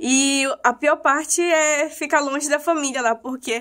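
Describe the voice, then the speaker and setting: A woman's high-pitched, animated voice with a bright, sharp tone over a quiet background. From Pará, northern Brazil. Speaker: vlogger. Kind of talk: casual vlog chat. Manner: animated, chatty. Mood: warm, reflective, sometimes wistful. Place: home room. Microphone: phone near.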